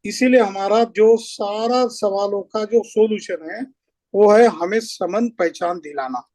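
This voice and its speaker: High-pitched man, earnest lecturing speaker, dry close sound. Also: measured pace, darkish tone, no room sound. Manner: earnest, lecturing, builds points through lists. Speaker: speaker at a community meeting. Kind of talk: impassioned speech.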